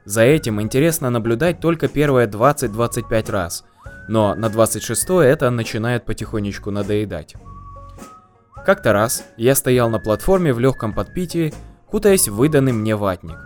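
Brief: deadpan male storyteller, soft music underneath. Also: mid-range voice, normal speed. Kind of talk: first-person story narration.

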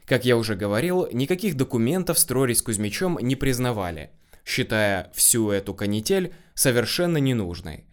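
Male narrator, first-person story reading, wry and slangy, with a very lively, rising-and-falling delivery. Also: mid-range voice, moderate pace. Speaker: audiobook narrator.

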